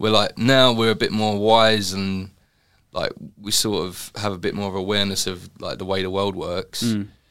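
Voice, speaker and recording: In an Essex accent, a man speaks at a moderate pace with a fairly low pitch and monotone, flat intonation. The recording is very clean, with a silent background. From Essex, Chelmsford. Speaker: band musician. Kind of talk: casual chat.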